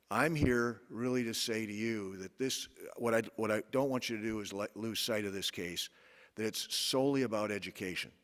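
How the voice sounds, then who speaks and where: Attorney at a podium, low-pitched, halting delivery, long reverb in a courtroom. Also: male voice, fairly bright tone. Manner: halting, many fillers and restarts. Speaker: amicus counsel. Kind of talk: courtroom oral argument. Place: large courtroom. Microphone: podium microphone.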